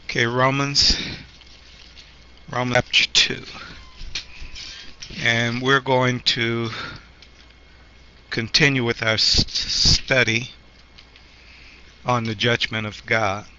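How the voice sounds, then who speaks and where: A man who is a pastor, coming down with a cold, teaching a Bible study in a slow, halting way, clearing his throat often. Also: mid-range voice, flat delivery, sharp tone. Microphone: handheld microphone. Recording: muffled lo-fi recording with faint noise.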